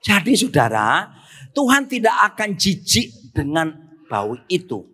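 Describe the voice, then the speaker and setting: A man's voice: high-pitched, wildly swooping pitch, a little slow, bright, forceful tone, slightly rough, in a large hall. A male pastor telling funny stories at a church workshop and breaking into song now and then. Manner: storytelling with jokes, bursts into singing. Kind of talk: humorous workshop sermon.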